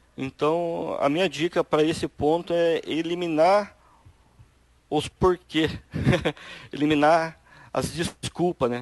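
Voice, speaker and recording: A man's fairly high voice, very slow with long, frequent pauses and fairly even intonation, dry and close with no echo over a quiet background. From Brazil, Curitiba (Paraná). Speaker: entrepreneur. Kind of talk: interview.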